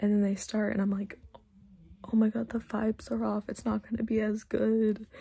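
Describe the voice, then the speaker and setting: This quiet, somewhat breathy voice stays monotone and flat. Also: woman. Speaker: vlogger. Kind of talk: casual vlog chat. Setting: at home at night, thin walls. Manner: hushed, trying to be quiet. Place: home room. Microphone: phone near.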